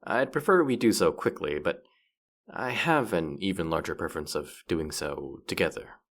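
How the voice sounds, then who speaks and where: A man's voice: deep voice, animated, normal speed, fairly bright tone, exaggerated voice. A man playing a playful, boastful demon guide to the afterlife in a roleplay audio drama, with a smug, teasing, theatrical delivery. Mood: alarmed, sheepish.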